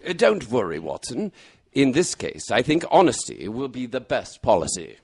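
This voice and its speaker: A man playing a composed, courteous gentleman detective in a radio mystery, speaking formally and precisely. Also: medium pitch, huge pitch swings, normal speed, breathy edge, full character voice. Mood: brisk, confident. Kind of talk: radio mystery drama acting.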